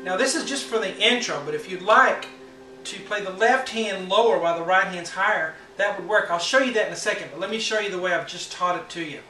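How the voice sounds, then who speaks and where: High-voiced guy teaching piano, counts it out and hums along, roomy sound a bit off mic. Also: fairly quick, distant mic. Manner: patient, counts beats and hums the notes. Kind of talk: step-by-step piano lesson. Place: room with a piano.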